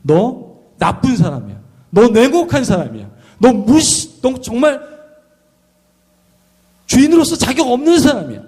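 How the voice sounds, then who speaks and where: A preacher acting a resentful, accusing servant. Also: male voice, on the high side, big pitch swings, warm tone, breathy edge. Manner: slow, accusing, emphatic. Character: resentful male servant accusing his master.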